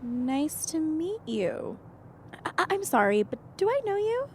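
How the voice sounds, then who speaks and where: A woman's voice: high-pitched, big pitch swings, measured pace, slight background noise. A woman playing a concerned young traveler in an audio drama, with natural, everyday delivery. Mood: guarded, anxious. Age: young adult. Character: concerned young traveler, warm with friends, guarded with strangers.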